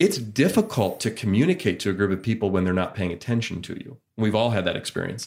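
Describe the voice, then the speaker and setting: Talking at a very fast pace with hardly any pauses, a man with an American accent has a fairly low pitch. His pitch variation is ordinary, and the recording is very clean with a silent background. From US West Coast, Oakland California. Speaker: author, keynote speaker and former pro baseball player. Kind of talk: interview conversation.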